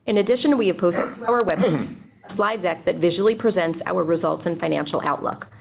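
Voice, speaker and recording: A woman's voice: on the low side, fairly quick, vocal fry. A woman reading a formal scripted statement as a corporate investor relations executive on a conference call. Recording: dull, noisy conference call audio.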